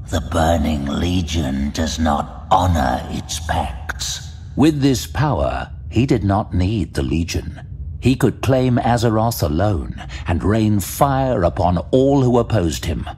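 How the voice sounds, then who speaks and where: A man narrating a scripted fantasy audio drama in a measured, theatrical, suspenseful way. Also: on the low side, warm tone, slight background noise.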